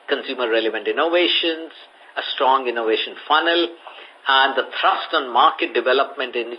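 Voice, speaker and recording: A man with an Indian accent, reading a prepared earnings presentation as a company executive on a conference call. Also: mid-range voice. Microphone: conference call line. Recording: muffled conference call audio.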